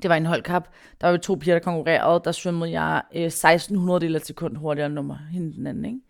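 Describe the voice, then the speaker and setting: A woman interviewing a guest in a relaxed, conversational way, sharing a story of her own. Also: deep voice, vocal fry. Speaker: interviewer, former Olympic swimmer. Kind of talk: casual interview.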